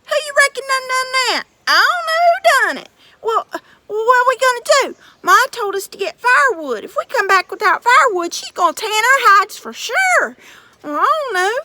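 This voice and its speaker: A woman voicing two bumbling male giant brothers who shout frantically. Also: very high voice, big pitch swings, moderate pace, a little hiss or hum, pitched above the performer's own voice, full character voice. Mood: panicky.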